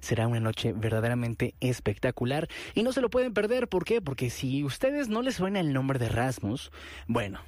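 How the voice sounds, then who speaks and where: A man with a Mexican Spanish accent hosting a radio ticket giveaway from a studio booth, animated and repeating phrases for emphasis. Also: medium pitch, normal speed, dry recording. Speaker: radio host.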